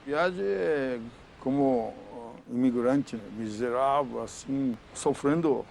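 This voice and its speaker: Older Japanese-accented man, gravelly voice. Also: medium pitch, darkish tone, a little hiss or hum. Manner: halting broken Portuguese with many fillers. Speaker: retired judo champion. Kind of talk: documentary interview.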